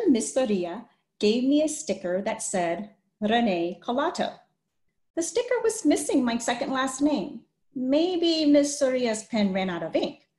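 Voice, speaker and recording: Middle-aged female host, fairly high voice, children's book reading, distinctly roomy video-call audio. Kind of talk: picture book read-aloud. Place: plain small room, indoors. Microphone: video call computer microphone.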